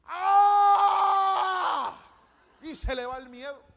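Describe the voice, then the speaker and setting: A man's voice: high-pitched, normal speed, very noisy. A man, an associate pastor preaching dramatically and telling a personal story. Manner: dramatic storyteller, shifts from hushed to shouted preaching. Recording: reverberant church hall.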